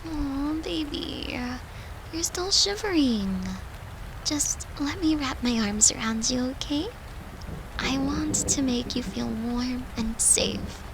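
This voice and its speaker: Woman acting a tender, slow-talking girlfriend. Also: high-pitched, background noise. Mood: gentle, consoling. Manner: soft, soothing, affectionate, unhurried, at times whispering. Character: tender, devoted human girlfriend soothing her anxious demon lover. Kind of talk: intimate roleplay audio, comforting.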